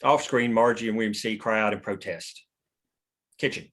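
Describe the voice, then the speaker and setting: A man's voice: fairly low pitch, moderate pace, a bit bright. A man narrating stage directions at a scripted table read.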